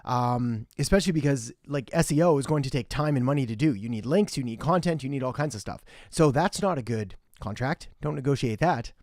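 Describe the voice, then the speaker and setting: In a relaxed live-stream Q&A from home in western Canada, a young marketing host greets viewers by name and gives them blunt, direct advice. He talks fairly quickly with few pauses, in a mid-range, slightly mellow voice. The recording is studio quality with no room sound.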